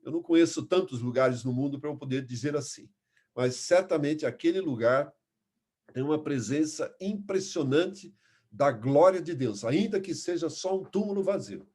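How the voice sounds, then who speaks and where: A man's voice: a little high, animated, normal speed, warm tone, breathy edge. Earnest man teaching Bible class. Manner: earnest, emphatic, with restarts and reading scripture aloud.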